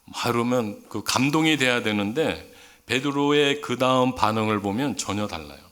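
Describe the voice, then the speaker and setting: In a church sanctuary, a visiting missionary preaches a sermon, telling a story in a conversational way and acting out dialogue in quoted voices. His voice is mid-range, animated, and a bit bright, at normal speed.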